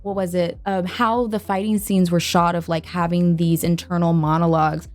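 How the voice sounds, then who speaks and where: Female podcast guest, lowish voice, conversational and halting, faint music underneath. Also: flat delivery, a little mellow. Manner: hesitant, filler-heavy, thinking aloud. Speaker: podcast guest, anime voice actor. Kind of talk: casual podcast chat.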